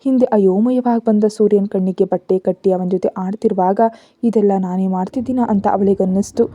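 A woman reads a scripted story in a steady, gentle manner. Her voice is very dark and mellow, at a middle pitch. The recording is dry and close, with no room sound. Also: a little fast, no echo, muffled recording.

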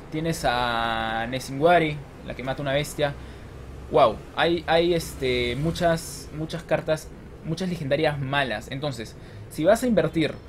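A man in his twenties talking casually to camera like a gaming vlogger, explaining things step by step. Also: on the high side. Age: 20s. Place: small room at home with open window. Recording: clear background noise from street, open window.

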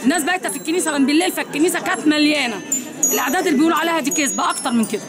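A woman's voice: high voice, racing, music in the background. An Egyptian woman in her sixties, upset and complaining in a street interview. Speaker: churchgoer interviewed at the scene. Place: outdoors by a street wall. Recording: outdoor crowd noise.

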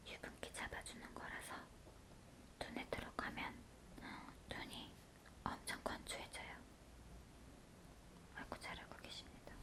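A woman performs a whispered role-play as a beauty technician. Her voice is a soft, breathy whisper throughout. She talks gently and politely, as if attending to a client lying close by. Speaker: ASMR performer playing an eyelash extension technician.

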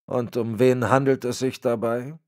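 A man voicing a frail, cold old crime boss who gives orders in a raspy voice. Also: mid-range voice, fairly even intonation, a little slow, darkish tone, voice pushed up, close to an everyday voice. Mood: icy. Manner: cold, commanding. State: raspy, cracking voice.

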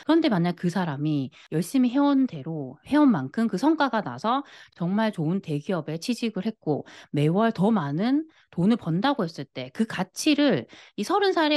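A woman in her late thirties speaks earnestly and directly to the listener. Her voice sits low but moves up and down with lively, animated inflection. She talks into a close studio microphone in a plain indoor room. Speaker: personal finance YouTuber. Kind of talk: direct-to-camera talk. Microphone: studio mic on a boom in front of her.

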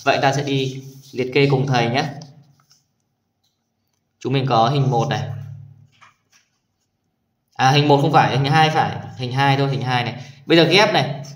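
A man's voice: medium pitch, moderate pace, pauses often, roomy sound. A man teaching primary school math in a video lesson, patiently explaining each exercise and checking in with his pupils. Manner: patient, addresses pupils warmly with tag questions.

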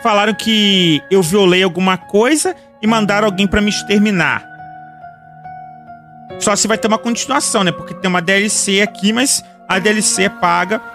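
Young brazilian man, let's play commentary, high voice, excitable, panicky exclamations. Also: normal speed, music in the background. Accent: Brazilian Portuguese. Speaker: gaming streamer.

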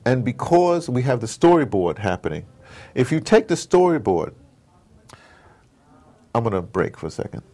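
An American man being interviewed, talking casually as an animated storyteller and often checking in with "you know". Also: medium pitch, moderate pace, long pauses. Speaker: interview guest, audio drama maker.

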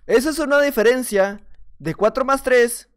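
A man's voice: very high-pitched, normal speed. Mexican man, gaming creator, talks through his own play in a loose, chatty way, laughs at himself. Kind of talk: casual gameplay commentary.

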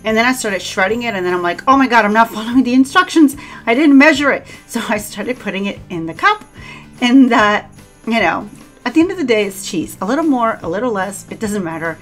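A woman's voice: a little high, animated, fairly quick, a bit bright, soft background music. A woman with a Cuban accent, talking casually through a home cooking vlog, chatty and self-deprecating and laughing often. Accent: Cuban Spanish. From Cuba. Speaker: cooking vlogger. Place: home kitchen.

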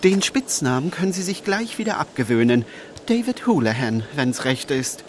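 A man's voice: a little high, very animated, normal speed. Guy acting cagey smug newspaper man, defensive, voice swings up and down, bit of background noise, audio drama. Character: cagey, prickly male newspaper reporter chasing a scoop. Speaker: voice actor. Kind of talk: German crime audio drama dialogue.

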